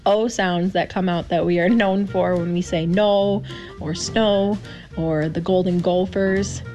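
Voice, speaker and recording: A woman's voice: fairly low pitch, steady tone, a little slow. A woman with a Minnesota accent calling a radio show, matter-of-fact. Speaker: caller. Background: soft music.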